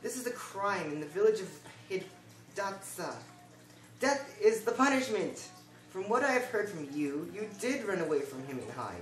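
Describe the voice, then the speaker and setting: A young woman playing a stern, measured male tribal chief in an amateur puppet show, with a deliberate storytelling delivery. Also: medium pitch, sing-song, lightly acted. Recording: roomy, distant home recording.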